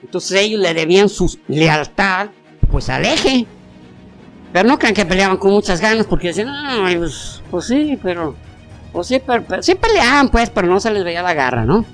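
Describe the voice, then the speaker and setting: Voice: mid-range voice, moderate pace, faint music behind. A podcast co-host with a Mexican Spanish accent who tells history casually, with lots of slang, restarts and fillers. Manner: animated, rambling, slangy with many restarts and fillers.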